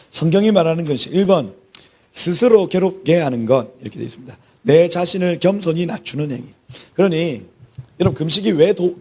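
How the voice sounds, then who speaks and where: Teaching a theology class, this middle-aged male pastor lectures in a sermon style, his fairly high voice carrying vocal fry and a darkish, slightly rough tone. He drives points home by repeating key words and dropping almost to a whisper.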